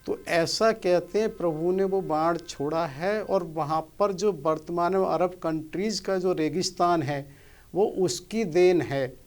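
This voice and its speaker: A man's voice: high-pitched, measured pace, a little mellow. A man, a motivational speaker, earnestly explains scripture in a conversational way and asks rhetorical questions.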